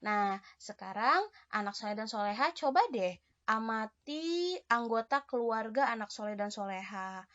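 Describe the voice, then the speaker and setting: A woman teaching young children in an online lesson, gentle and encouraging, checking in with them often. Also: fairly high pitch, muffled recording. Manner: gentle, encouraging, addresses pupils warmly with many "ya" and "nah".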